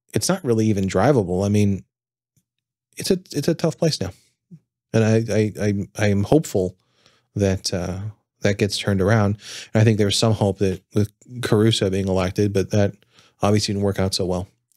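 A man with a fairly low voice talks at a fairly quick pace with ordinary pitch variation. He has a plain, everyday voice, heard over a quiet background. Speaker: podcast guest. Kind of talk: interview answer. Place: studio. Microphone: studio mic.

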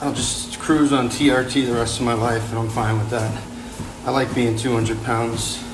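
A man talks at a fairly slow pace with monotone, flat intonation. Noticeable background noise runs behind him. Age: 40s. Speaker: livestreamer. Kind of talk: casual livestream chat. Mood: irritated, venting. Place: home room. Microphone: phone near.

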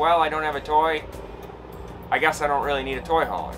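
There is music in the background while a man talks. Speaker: RV family vlogger. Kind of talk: casual vlog chat.

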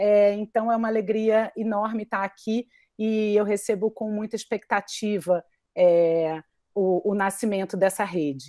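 Against a quiet background, a woman speaks at a fairly slow pace in a dark, mellow tone. Her intonation is fairly even, and the sound is dry with no echo. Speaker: film professor; panelist, teacher. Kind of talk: online panel presentation. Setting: video call. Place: home room. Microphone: earbuds.

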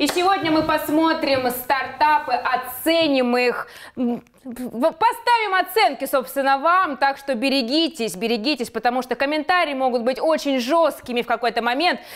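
Fairly slow speech with lively intonation and very even loudness. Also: woman, high pitch for a woman. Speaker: TV show host. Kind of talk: casual chat. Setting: studio. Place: studio. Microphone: lapel.

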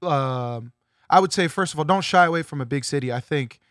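Moderate pace with ordinary pitch variation, in an American accent. The sound is dry with no echo against a quiet background. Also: man. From small farm town in California. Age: young. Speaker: music producer; guest. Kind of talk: casual interview chat. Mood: relaxed, animated storytelling. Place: studio. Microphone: studio mic.

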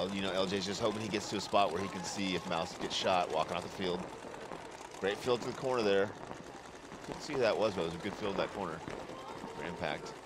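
A man speaks at a very fast pace, with long, frequent pauses. His pitch is fairly low and varies in an ordinary way, over noticeable background noise. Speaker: paintball color commentator. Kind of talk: live sports commentary. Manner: analytical, brisk play-by-play.

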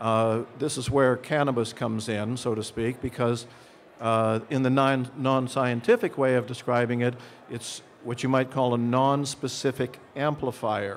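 With light noise behind him, a man speaks at a fairly slow pace in a monotone, flat intonation. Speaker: panelist. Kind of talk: conference talk. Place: hall.

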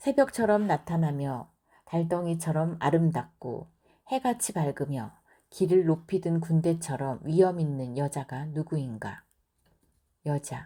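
In a very clean recording with a silent background, a woman speaks very slowly at a fairly low pitch, her dark, mellow tone carrying lively intonation. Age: middle-aged. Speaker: Bible reader. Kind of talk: reading aloud scripture.

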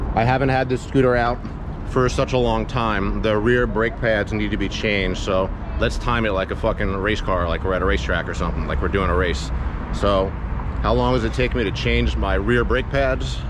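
A man talks at a moderate pace with a very deep, low pitch and very wide pitch swings. The sound is dry with no echo, though background noise is noticeable. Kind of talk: casual vlog chat and tutorial. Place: street. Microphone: phone near.

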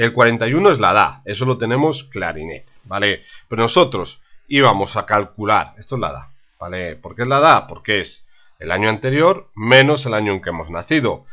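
Animated in tone, a man speaks with very wide pitch swings and big swings in loudness. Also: medium pitch for a man, moderate pace. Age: 40s. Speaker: math teacher. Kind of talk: tutorial.

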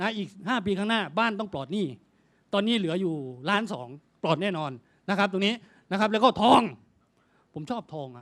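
This very clean recording has a silent background. On it, a man uses a high pitch and lively intonation. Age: 30s. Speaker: direct sales businessman. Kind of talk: motivational talk. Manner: animated.

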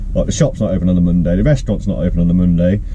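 A man talks at a very fast pace with lively intonation. There is light background noise. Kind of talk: casual vlog chat. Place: car. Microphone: camera far.

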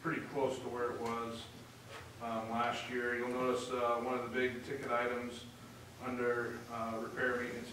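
There is audible room echo and noticeable background noise as a man speaks at a moderate pace with monotone, flat intonation. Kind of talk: budget presentation. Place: meeting room.

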